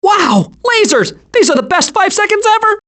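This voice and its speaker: A hyperactive little cartoon squirrel, pitched very high. The delivery swoops up and down with naive, childlike glee, made for an animated video game. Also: moderate pace, heavily acted. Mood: cheerful, curious. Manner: excitable, childlike, gleeful exclamations.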